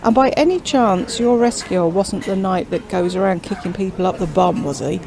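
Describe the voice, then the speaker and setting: A woman's voice: medium pitch, moderate pace, a little mellow, close to an everyday voice. A woman voicing a polite, earnest young waitress.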